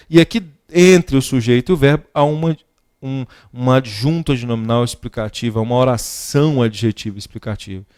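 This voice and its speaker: A man's voice: mid-range voice, darkish tone. A man teaching legal writing in an online grammar lesson. He explains emphatically, keeps asking rhetorical questions and answers them himself.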